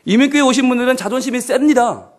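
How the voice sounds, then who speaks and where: At a midweek church service, a male pastor with an extremely high-pitched voice delivers a fast, animated, humorous sermon, frequently putting questions to the congregation.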